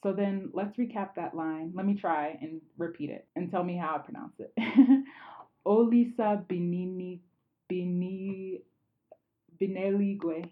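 Female student, lower pitch, careful repeater of phrases; tinny call audio. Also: unhurried. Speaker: language learner. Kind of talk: casual language lesson.

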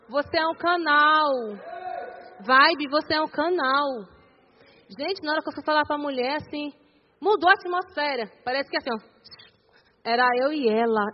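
A woman with a Bahian accent giving an animated sermon testimony in a church, acting out the dialogue of her story. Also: sits high. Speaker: preacher. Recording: dull sound in a reverberant hall.

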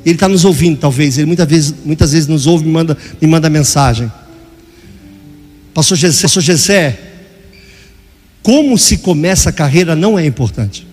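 An older man preaching a sermon as pastor, dramatic, acting out voices and sometimes shouting. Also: a little high, lively intonation, moderate pace, long pauses, big-room sound, soft background music.

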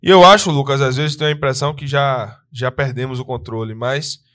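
A man's voice: mid-range voice, fairly even intonation, a little fast, fairly bright tone. A man from Brazil co-hosting a casual podcast, reading out viewer messages and answering them earnestly. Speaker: podcast co-host.

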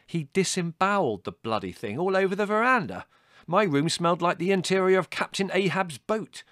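A man's voice: medium pitch, sing-song, moderate pace, dry recording, clean studio sound, pitched above the performer's own voice, natural voice. A man voicing an irascible young older brother in an audiobook, biting, sarcastic and theatrically indignant. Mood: withering. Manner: biting, withering, exaggerated indignation. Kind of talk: audiobook character dialogue.

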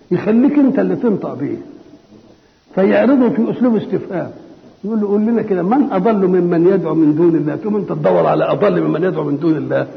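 An older man with an Egyptian accent gives a conversational Quran commentary, asking and answering his own questions and reciting verses slowly and solemnly. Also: high-pitched, vocal fry. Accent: Egyptian Arabic. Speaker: Islamic scholar giving Quran commentary. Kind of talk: colloquial Quran exegesis lecture. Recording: dull lo-fi recording with long hall reverb.

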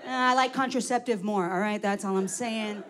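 A woman's voice: mid-range voice, measured pace, some chatter behind, rough recording. A woman doing a brash, profane stand-up set into a handheld mic. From Los Angeles. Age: 40s. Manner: brash, profane, loud punchlines. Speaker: stand-up comic.

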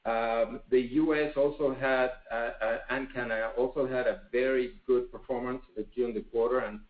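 Guy exec answering on a conference call, halting, lots of uhs, tinny echoey phone sound. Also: mid-range voice, steady tone. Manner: halting, filler-heavy, with many pauses. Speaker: company executive. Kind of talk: unscripted answer on an earnings call.

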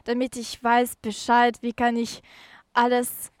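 Female podcast guest, high voice, halting delivery, dry close recording. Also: completely flat delivery, clear, resonant tone, dry recording. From Ukraine. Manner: halting, careful non-native phrasing. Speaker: podcast guest, career mentoring volunteer. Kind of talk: interview answers.

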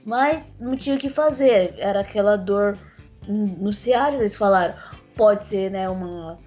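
A woman of middle pitch tells her story earnestly, stopping and restarting often, with a voice that is still a little rough. The sound is muffled and lo-fi, with faint music in the background. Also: a little mellow. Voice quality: voice still rough since a tracheostomy. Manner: earnest, halting, with many fillers and restarts. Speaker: interviewee. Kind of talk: personal account in a conversation.

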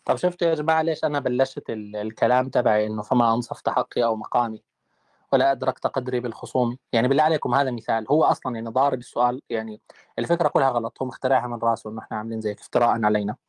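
Man, discussion host, very fast talker, dry close sound. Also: mid-range voice, dry recording. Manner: animated, rapid-fire rhetorical questions. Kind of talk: casual online debate.

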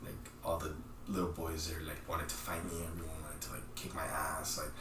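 Man, low and soft-spoken, halting casual guest; distant roomy recording with faint hiss. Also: monotone. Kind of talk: casual interview.

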